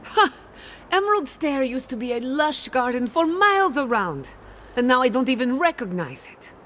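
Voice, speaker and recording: A woman's voice: sits high, sing-song, moderate pace, fairly bright tone, slight background noise. A woman playing a passionate, defiant scholar of soul science in a fantasy video game, speaking with dramatic, pointed emphasis. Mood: indignant. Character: passionate, defiant female animancer fighting for her blighted land. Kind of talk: video game character acting.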